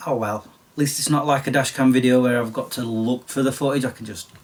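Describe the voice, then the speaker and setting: A man in his late forties with a Sheffield accent, chatting casually and self-deprecatingly about his past, his voice slightly croaky. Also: medium pitch, steady tone, fast, recorded from a distance. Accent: Sheffield English. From Sheffield, England. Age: late 40s. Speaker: YouTuber. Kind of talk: casual storytelling monologue.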